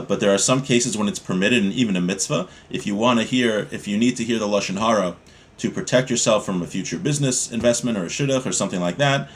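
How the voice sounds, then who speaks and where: A man of ordinary middle pitch teaches a class on Jewish law in an unhurried, explanatory way. He reads brief lines and then restates them in everyday English, repeating the key ideas so listeners can follow. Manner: calm, explanatory, repeats points for clarity. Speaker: Torah teacher. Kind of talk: text study class, reading Hebrew then explaining in English.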